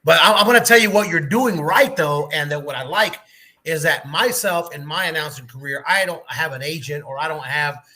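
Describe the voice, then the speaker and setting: A man's voice: fairly high pitch, brisk, sharp tone. A man co-hosting a boxing interview, asking questions in a loose, enthusiastic way and swearing casually. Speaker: ring announcer, co-host.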